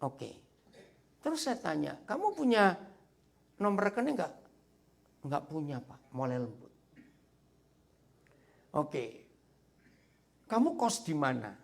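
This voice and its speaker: A man preaching a sermon as pastor, telling a story with lively asides to the congregation. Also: on the high side, takes it slowly, creaky, pauses often. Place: church sanctuary.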